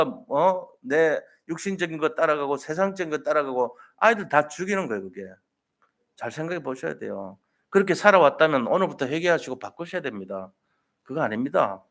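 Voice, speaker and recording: A middle-aged man preaches a Sunday sermon, his voice set a little high and swinging widely up and down. He acts out quoted exchanges as he goes, in an animated pulpit delivery. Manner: animated preaching, acting out God's voice in quoted dialogue. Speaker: pastor.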